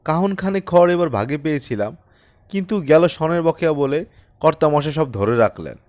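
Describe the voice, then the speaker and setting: A man's voice: fairly high pitch, animated, moderate pace, a little mellow, dry recording, lightly acted. A man voicing a poor, humble peasant father in an audiobook story, pleading in a deferential, plaintive way. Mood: sorrowful.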